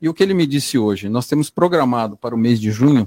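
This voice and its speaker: An unremarkable speaking voice from a man, medium in pitch, with lively intonation and a dry, close sound with no echo. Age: 50s. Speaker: businessman, port complex executive. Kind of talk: radio panel discussion.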